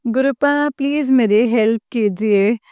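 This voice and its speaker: A devotional channel host, close to tears, speaks slowly to her followers and pleads with her guru directly, over and over. Her voice is on the high side, warm and clean, in a dry recording.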